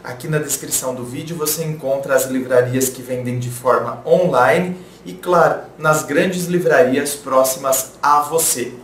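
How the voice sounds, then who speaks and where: Calm man in an echoey room. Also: medium pitch, moderate pace, few pauses. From interior of São Paulo, Brazil. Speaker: relationship advice channel host. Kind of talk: advice talk, reading viewer letters aloud. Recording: roomy echo, faint background noise.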